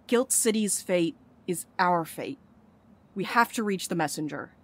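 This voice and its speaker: A woman's voice: on the low side, animated, unhurried. A woman playing a blunt, fatalistic comrade in an audio drama. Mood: resigned, firm. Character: blunt, fatalistic comrade resigned to a grim destiny.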